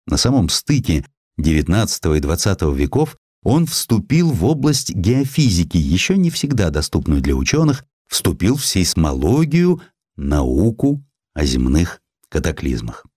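A low-pitched man reads literary history aloud. His intonation moves widely and expressively while the delivery stays measured. The recording is dry and close, with very little room sound. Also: very animated, a little mellow, slightly rough, dry recording. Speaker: audiobook narrator. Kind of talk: scripted literary narration of a historical essay.

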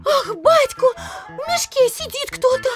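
An actress playing an excitable, giggly young village girl in a Russian audio drama, exclaiming breathlessly. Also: extremely high pitch, measured pace, over music. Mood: startled. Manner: squealing, gasping, exclaiming.

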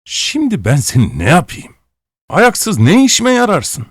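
A man voicing a gruff bald craftsman who scolds his apprentice loudly in a raised voice. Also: on the high side, huge pitch swings, a little slow, no echo, clean studio sound, pitched above the performer's own voice, heavily acted. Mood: exasperated. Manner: scolding, shouting.

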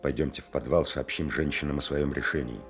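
An actor playing a grave, fatherly army major commanding a besieged fortress in a radio drama, with a deep husky voice. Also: fairly even intonation, fairly quick, soft background music. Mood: heavy-hearted, firm.

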